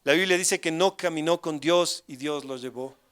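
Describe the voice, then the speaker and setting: An older man preaching a sermon, telling a story and asking the congregation rhetorical questions, swinging from loud declarations to hushed asides. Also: fairly high pitch, normal speed, smooth. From Ecuador. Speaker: pastor.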